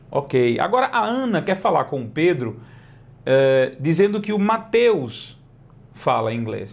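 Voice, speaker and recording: A male English teacher whose first language is Portuguese, explaining grammar, stretching out example words slowly and checking in with the listener often. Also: on the high side, vocal fry. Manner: slow, drawn-out model pronunciations between quick explanations; asks the listener questions and checks in with "né?" and "ok?". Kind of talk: online language lesson.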